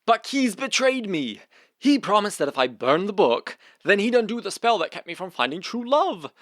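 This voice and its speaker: Guy acting a guilty royal brother, defensive n dramatic, pitch swings a lot, dry close recording. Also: big pitch swings, moderate pace, fairly bright tone, no echo. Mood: indignant. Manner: dramatic, self-justifying. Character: defensive, guilt-ridden royal brother in a fairy-tale kingdom. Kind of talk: audio fiction comedy acting.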